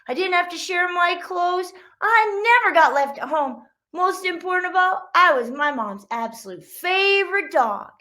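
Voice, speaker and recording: A whiny, jealous big-brother dog from a children's storybook, acted out by a woman reading aloud. The voice is high and bright, grumbling about life with younger siblings. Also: lively intonation, normal speed, few pauses, exaggerated voice. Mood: wistful, boastful.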